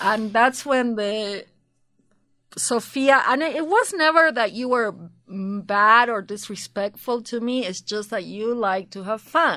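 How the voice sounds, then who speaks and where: A woman's fairly high voice at a very slow pace, with big swings in loudness. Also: ordinary pitch variation, quiet background. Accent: strong Argentine. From Argentina, Buenos Aires. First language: Spanish. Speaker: podcast co-host's mother, former sex educator. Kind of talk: casual chat. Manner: animated.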